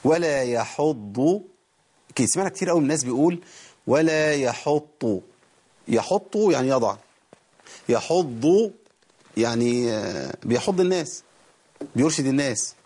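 A man with an Egyptian accent teaching Quran recitation on a TV programme, explaining rules in quick colloquial speech and reciting verses slowly. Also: medium pitch, lively intonation, dark tone, breathy edge. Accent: Egyptian Arabic. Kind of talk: TV recitation lesson.

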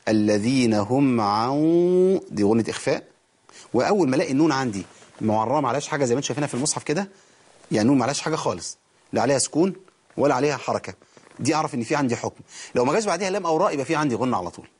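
A man with an Egyptian accent teaching Quran recitation on a TV programme, explaining rules in quick colloquial speech and reciting verses slowly. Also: medium pitch, lively intonation, breathy edge. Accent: Egyptian Arabic. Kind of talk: TV recitation lesson.

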